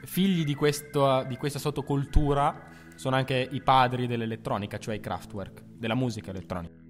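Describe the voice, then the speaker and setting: A man's voice: medium pitch, steady tone, a little fast, big-room sound. A man co-hosting a music history video, joking and chatty in a scripted explainer. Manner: jokey, chatty, self-mocking. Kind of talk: scripted explainer with playful banter.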